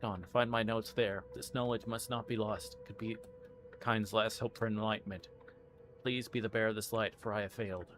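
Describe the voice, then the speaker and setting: A man's voice: fairly low pitch, steady tone, normal speed, fairly bright tone, faint music behind. A man playing a video game as a streamer, reading its text aloud and commenting.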